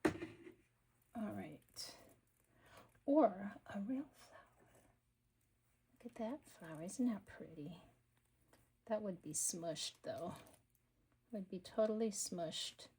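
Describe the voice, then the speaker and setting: A woman hosting a craft video, talking quietly and murmuring to herself as she works, a little sniffly. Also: mid-range voice, lively intonation, slow, pauses often, husky. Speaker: craft channel host. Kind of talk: casual craft-along chat.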